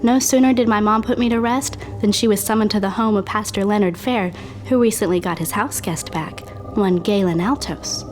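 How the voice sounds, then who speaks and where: A woman's voice: medium pitch, normal speed, natural voice. A woman acts out a dead daughter narrating an audio drama. She is wry and confiding, with a mid-range voice and faint background noise. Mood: wry, wistful.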